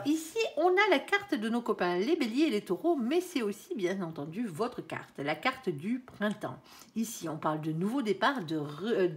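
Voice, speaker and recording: A woman giving a casual tarot reading to viewers, chatty and direct, filling her talk with little tags and calling on her angel between cards. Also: medium pitch. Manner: chatty, sprinkles talk with "hein" and "alors". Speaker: tarot card reader.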